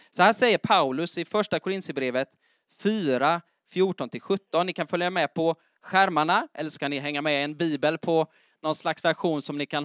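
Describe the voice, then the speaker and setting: A middle-aged man preaching a sermon in church, lively and emphatic, often asking his congregation if they are following. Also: a little high, dry recording, clean studio sound. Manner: keeps checking in with the congregation with questions. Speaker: pastor.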